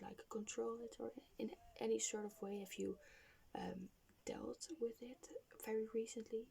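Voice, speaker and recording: Female ASMR therapist role: breathy whisper, heavy vocal fry, soothing hesitant questioning, faint background noise. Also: mid-range voice, dark tone. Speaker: ASMR roleplayer playing a therapist.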